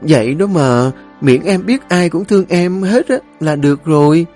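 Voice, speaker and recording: A man's voice: on the high side, animated, moderate pace, warm tone, faint music behind, pitched above the performer's own voice, natural voice. Man putting on a soothing big-sister voice. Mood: coaxing. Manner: soothing, coaxing. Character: gentle caring older sister, a girl.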